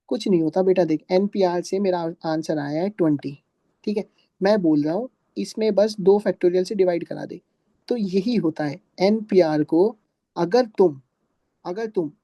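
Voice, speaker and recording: A man's voice: high-pitched, dark tone, no echo, studio quality. A male teacher giving a classroom math lecture, asking and answering his own questions in a chatty, joking way, with students in the room.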